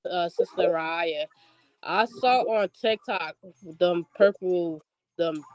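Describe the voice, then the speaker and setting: A student with a hoarse voice speaking haltingly on a video call class, searching for words. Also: mid-range voice, poor audio.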